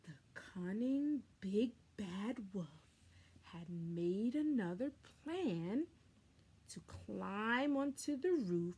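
A woman in her thirties reading a children's story aloud dramatically, with pauses and emphasis. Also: mid-range voice, expressive, darkish tone, slightly rough. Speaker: storybook reader. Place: small furnished room at home, indoors.

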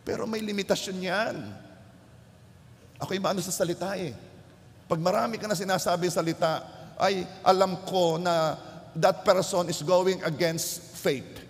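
A man's voice: high-pitched, steady tone, measured pace, vocal fry. A man preaching a sermon as pastor, building to emphatic, rising passages and slipping English phrases into his talk. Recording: long church hall reverb.

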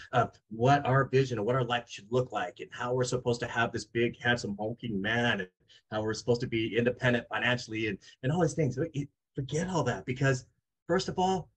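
Husky-voiced energetic man on a video call. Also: mid-range voice. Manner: energetic, emphatic, talks with his hands. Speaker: money coach, guest. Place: home office, indoors. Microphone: video call webcam.

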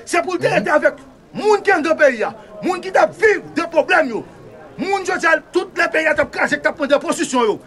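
A man with a Haitian accent, a panel guest giving fervent political talk, repetitive and now and then rising to a shout. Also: very high voice, lively intonation, normal speed.

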